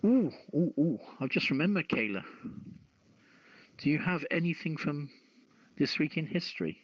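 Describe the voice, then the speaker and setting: A man hosting a casual live radio show with a halting delivery. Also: a little high, big pitch swings, slightly rough. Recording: dull, echoey online radio channel audio.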